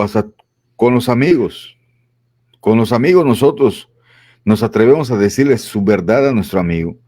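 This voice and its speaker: A man speaking as a panelist in a discussion, reflective, pausing with fillers. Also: fairly low pitch, darkish tone, dry recording, studio quality.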